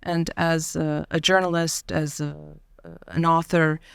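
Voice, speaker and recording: A woman hosting a podcast interview, speaking in a measured way with frequent fillers and soft laughs. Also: sits low, little pitch movement, gravelly, clear, resonant tone, no echo, clean studio sound. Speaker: podcast host. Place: university studio.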